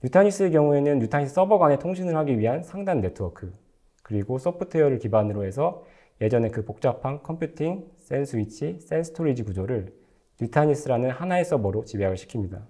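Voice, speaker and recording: Male technical lecturer, mid-pitched with a warm, relaxed tone, formal prepared explanatory delivery. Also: a little fast. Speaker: technical lecturer, company engineer.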